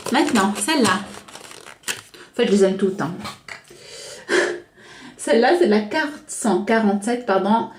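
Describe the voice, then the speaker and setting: A woman reviewing nail polish in a casual, chatty way, hesitating often and correcting herself, slowing down to spell out each shade name. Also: medium pitch, darkish tone, a little hiss or hum. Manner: chatty, hesitant, full of filler and self-corrections; slows down to read out shade names. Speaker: beauty vlogger.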